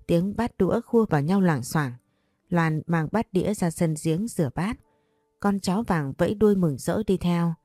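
A woman's voice: lowish voice, moderate pace, warm tone, no echo, studio quality. A woman narrating a family drama story aloud, voicing its quarrelling relatives herself.

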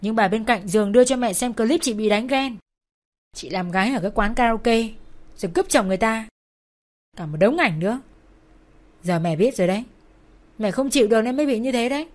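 Bitter, scornful younger brother voiced by a woman narrator, harsh and accusing, shouting in a storybook reading. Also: on the high side, lively intonation, a little fast, pauses often, close to an everyday voice.

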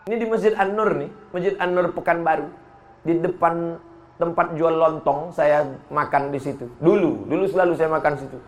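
A man preaching a lively, humorous sermon in a mosque, swinging between shouting and quiet asides. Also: fairly high pitch, moderate pace.

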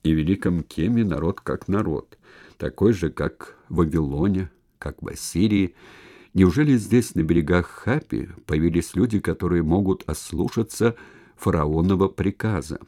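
A man voicing a patient, cautious foreign merchant who speaks calmly, in an audiobook. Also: deep voice, moderate pace. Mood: thoughtful.

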